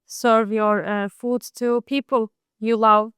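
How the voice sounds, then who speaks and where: A woman, a home cook talking casually in an interview, soft-spoken and hesitant with many fillers. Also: a little high, little pitch movement, slow, clear, resonant tone, dry recording, clean studio sound. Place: home in Istanbul.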